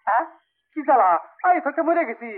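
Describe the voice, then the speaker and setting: An actor playing a fretful comic village sidekick who speaks in a shrill, whining, fast voice, on a tinny film soundtrack. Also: male voice, expressive. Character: high-pitched comic village sidekick Moti.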